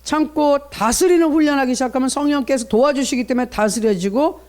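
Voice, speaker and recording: A man's voice: very high-pitched, a little fast, darkish tone. A middle-aged male pastor giving an early-morning prayer sermon, preaching earnestly and reading scripture aloud. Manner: earnest preaching, reads scripture aloud, acts out parents' inner voices.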